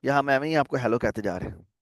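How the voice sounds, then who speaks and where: This casual online programming lecture comes from a man with a mid-range voice speaking at a normal speed. He talks informally on the video call and keeps asking students whether they follow. The recording is dry and cleanly studio-produced.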